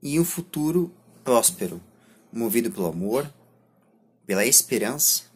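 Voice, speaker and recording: A man in his twenties with a Brazilian accent and a husky voice, speaking a reflective monologue to camera as a vlogger, halting between short phrases. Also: medium pitch, big pitch swings. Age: 20s. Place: small indoor room lined with bookshelves. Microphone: phone or camera at arm's length.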